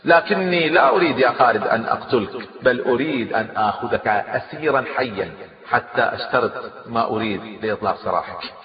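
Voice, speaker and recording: A man's voice: medium pitch, a little fast, close to an everyday voice. A man voicing an arrogant Roman army commander who taunts in a raised, haughty voice, heard in a dull, echoey hall recording. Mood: haughty taunting. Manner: haughty, taunting, loud boasts.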